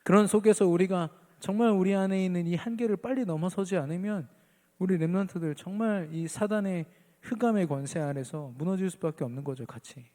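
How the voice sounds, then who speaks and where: A man's voice: sits high, fairly quick, warm tone, big-room sound. A man preaching an earnest sermon as pastor at a midweek church service, lifting his voice on key phrases.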